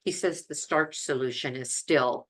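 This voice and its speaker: Older woman, very low pitch, slow pace, halting deliberate phrasing, informal health coach talk. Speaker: health coach and video host.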